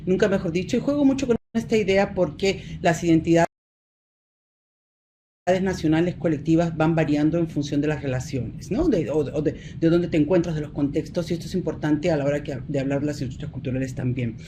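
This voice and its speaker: A middle-aged woman with a Peruvian Spanish accent, a university professor giving an academic presentation over a video call, pausing often with fillers and restarting her sentences. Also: low-pitched, dark tone, slight background noise. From Peru. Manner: hesitant, many fillers and restarts.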